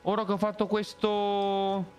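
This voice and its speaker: A young man streaming a game live, reacting loudly and hurling playful insults at enemies. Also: high-pitched, measured pace. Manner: excitable, swears and yells insults at enemies. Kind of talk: live gameplay commentary. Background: game music.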